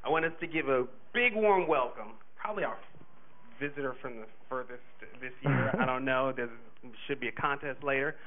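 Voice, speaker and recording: A man's voice: mid-range voice, a little fast, a crowd in the background. A man introducing a conference speaker in a jokey, chatty, loose way. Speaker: session introducer. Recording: tinny phone-like conference recording.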